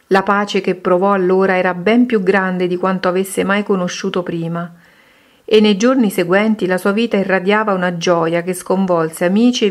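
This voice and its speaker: A woman reading a Christian devotional book aloud in a steady, measured way. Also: medium pitch. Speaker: reader.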